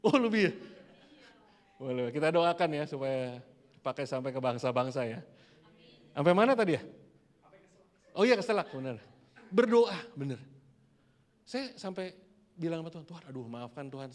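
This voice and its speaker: A male pastor, telling a family story in an animated sermon and acting out the dialogue. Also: on the high side, normal speed, long pauses. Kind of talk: storytelling sermon to a youth service. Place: church hall. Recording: long hall reverb.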